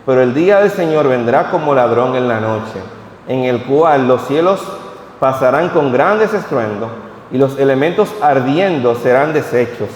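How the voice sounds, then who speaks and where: A man's voice: mid-range voice, animated, a little slow, slight background noise. Man preaching in an echoey church hall. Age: 30s. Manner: reads scripture steadily, then talks plainly with the congregation. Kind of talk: sermon with scripture reading. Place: church hall at a vigil service. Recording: echoey hall with long reverb.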